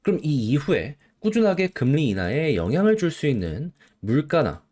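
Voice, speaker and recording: A man giving solo stock market commentary, explaining things in an animated way and asking rhetorical questions. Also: moderate pace. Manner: animated, rhetorical questions, emphatic pitch swings.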